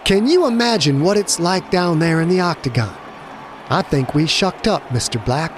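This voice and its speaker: Man doing a low, dry ex-fighter. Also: expressive, normal speed, slight background noise, lightly acted. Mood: awed.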